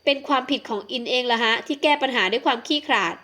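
Shy tomboy girl, polite and soft, woman reading her in an audiobook, a bit high. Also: fast. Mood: remorseful.

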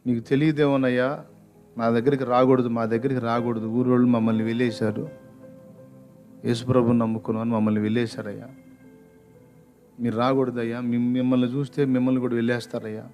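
Pastor putting on a grieving mother, soft and pleading, faint music under. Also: flat delivery, brisk, long pauses, natural voice. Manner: tearful pleading, softer and lower.

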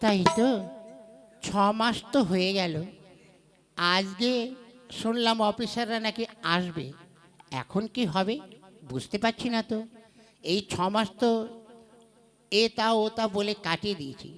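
A woman's voice: mid-range voice, measured pace, pauses often, close to an everyday voice. A woman voicing a poor, hard-of-hearing farmer's wife in a folk puppet comedy, muttering and mishearing everything. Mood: worried. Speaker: puppet show voice actor.

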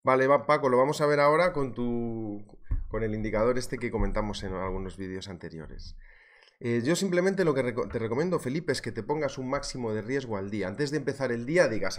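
A man's voice: mid-range voice, brisk. A man teaching a live trading webinar, joking and chatting as he reads viewer messages. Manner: jokey, chatty, reads viewer chat aloud. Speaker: trading instructor.

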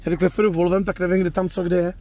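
The host of this car review channel has a high, warm voice with a flat delivery. Speaking informally and tagging his lines with "jo," he does a walkaround outdoors at a used car lot and then a test drive from inside the car.

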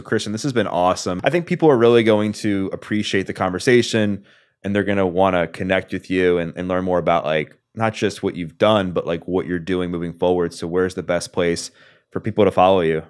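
A man in his thirties hosting a podcast interview, relaxed and casual with many filler words, on a studio mic. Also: low voice, fairly quick, clean tone. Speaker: podcast host. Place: small room, video call. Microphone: studio mic on boom arm with headphones.

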